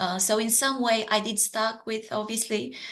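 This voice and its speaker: Speaking at a moderate pace in a Romanian accent, a woman with a fairly high pitch keeps her intonation monotone and flat. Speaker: trainee clinical psychologist. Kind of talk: interview.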